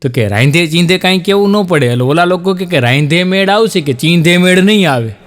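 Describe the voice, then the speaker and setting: A man's voice: sits high, lively intonation, a little fast, fairly bright tone. A man giving chatty, advice-style stand-up jokes in a Gujarati accent. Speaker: stand-up comic. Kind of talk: stand-up joke telling.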